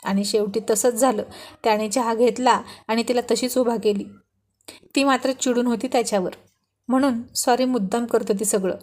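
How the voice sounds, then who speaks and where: A woman narrating a romance storybook in a lively, chatty way. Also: fairly high pitch, moderate pace. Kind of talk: storybook reading.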